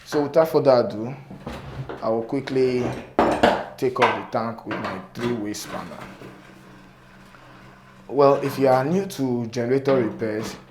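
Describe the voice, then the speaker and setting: A man instructor with a cracked, sore-throated voice, giving an informal hands-on repair tutorial in a halting, repetitive way. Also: medium pitch. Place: indoor workshop table. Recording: noticeable background noise, clicks.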